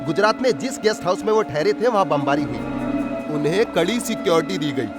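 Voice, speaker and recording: A man's voice: sits high, expressive, fairly quick, loud music behind the voice. A man dubbing an arrogant, crude village strongman in a film, talking in a gloating, mocking way. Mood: warning. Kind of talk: Hindi film dub. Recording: loud film score behind.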